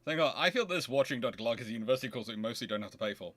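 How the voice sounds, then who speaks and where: Bright-voiced man, rambling and wry. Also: mid-range voice, expressive. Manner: halting, digressive, self-interrupting. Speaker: livestream host answering chat. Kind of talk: casual rambling livestream chat.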